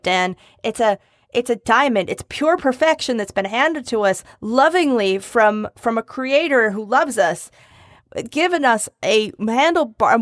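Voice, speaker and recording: Animated woman chatting, dry close sound. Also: a little high, dry recording. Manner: animated, jokey, drops into silly voices. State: recovering from a lost voice. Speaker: podcast co-host. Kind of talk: casual comedic chat. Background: dog barking.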